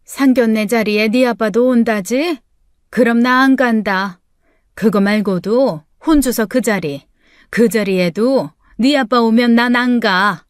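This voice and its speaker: A woman's voice: fairly high pitch, a little slow, clean tone, no room sound, studio quality, natural voice. A woman voicing a bitter, self-pitying middle-aged mother who scolds shrilly and snaps back sharply. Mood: demanding.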